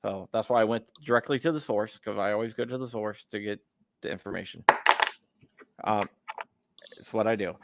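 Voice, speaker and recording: A man hosting a casual call-in interview, relaxed and halting, often stammering and restarting. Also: fairly low pitch, vocal fry, heavy background noise. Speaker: host.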